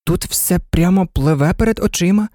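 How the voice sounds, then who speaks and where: A woman's voice: fairly low pitch, normal speed, mellow, no room sound, studio quality, voice pushed up, natural voice. A woman voicing a polite, curious seven-year-old girl. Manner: polite, earnest.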